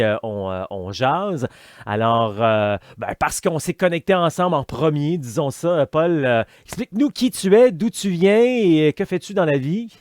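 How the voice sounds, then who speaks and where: A man's voice: medium pitch, clean tone, no echo, clean studio sound. A man with a Québécois French accent hosting a casual interview, chatty and hesitant with many fillers. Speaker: podcast host.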